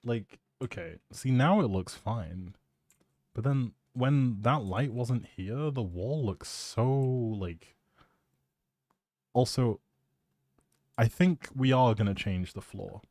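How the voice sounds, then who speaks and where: A man's voice: medium pitch, slow, long pauses, a little mellow, no echo, clean studio sound. A man live streaming, chatting casually in an appreciative, rambling way and thinking aloud as he goes.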